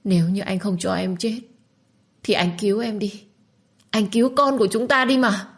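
A woman's voice: normal speed, darkish tone, natural voice. A woman voicing a desperate young woman who begs tearfully to keep her child. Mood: pleading tearfully. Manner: tearful, begging, high and pressing.

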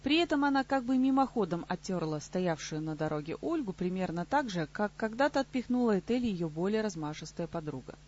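A woman reads a fantasy novel aloud with a lively, ironic touch. Her voice sits in the middle range with a husky grain, and the recording sounds dull and lo-fi. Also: medium pitch, fairly quick, hardly any pauses. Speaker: audiobook narrator. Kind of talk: scripted audiobook narration.

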